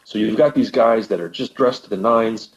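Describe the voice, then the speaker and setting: Low-voiced man, musing, lo-fi audio. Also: moderate pace. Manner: thoughtful, rambling, frequent restarts and repeated words. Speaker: podcast guest. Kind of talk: casual conversation about old radio comedy. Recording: lo-fi podcast audio.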